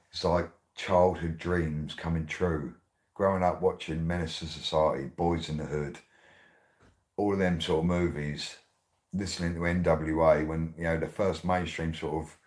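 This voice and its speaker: Low-voiced excitable man. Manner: excitable, rambling, laughs often, swears. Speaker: radio host. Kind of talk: casual monologue.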